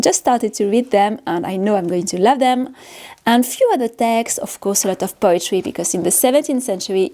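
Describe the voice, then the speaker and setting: A woman with a French accent talks casually through what she is showing on her studio vlog. Her voice is mellow and relaxed, with little edge. She speaks off the cuff, often repeating a word or correcting herself midway. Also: medium pitch. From France. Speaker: paper artist hosting a studio vlog. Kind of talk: casual, unscripted show-and-tell.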